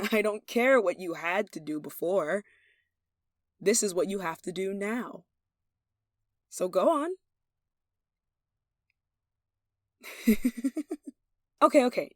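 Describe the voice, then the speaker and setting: A woman's voice: mid-range voice, expressive, unhurried, pauses often, no echo, studio quality, lightly acted. A woman acting a lovestruck, possessive young royal in an intimate roleplay, tender and playfully commanding. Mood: playful, teasing. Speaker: voice actor in an audio roleplay.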